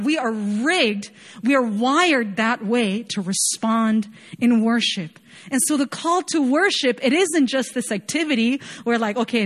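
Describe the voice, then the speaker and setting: A young woman from Chile giving an earnest, conversational sermon, often dropping in casual fillers as she talks. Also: fairly high pitch. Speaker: worship leader preaching.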